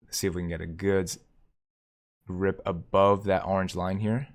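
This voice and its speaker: A man hosting a live stream, commenting on stock charts and reading viewer comments aloud with excitement. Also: low-pitched, normal speed. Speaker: livestream host.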